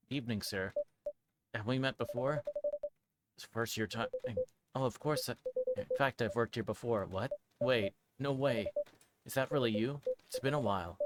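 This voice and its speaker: A man streaming a playthrough of a visual novel, reading dialogue aloud and commenting casually in a hesitant, halting way. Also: fairly low pitch, heavy background noise. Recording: music behind the voice. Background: guitar music from the game.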